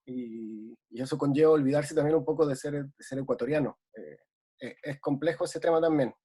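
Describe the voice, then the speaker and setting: A man's voice: a little high, brisk, dark tone, husky. A man from Ecuador speaking reflectively in a casual remote conversation, with many hesitations. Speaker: guest.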